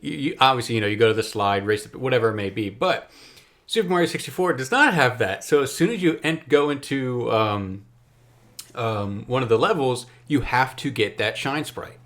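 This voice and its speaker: A man with an average-pitched voice hosts a casual gaming podcast. He tells things in a loose, rambling way, wandering into asides as he goes. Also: animated, normal speed, a bit bright. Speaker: podcast host.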